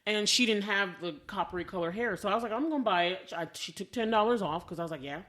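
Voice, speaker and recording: American lady podcast host, casual girlfriend chat, middle pitched voice, acts out what people said. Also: fast talker. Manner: expressive, re-enacts conversations as she tells them. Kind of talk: casual chat and animated personal storytelling.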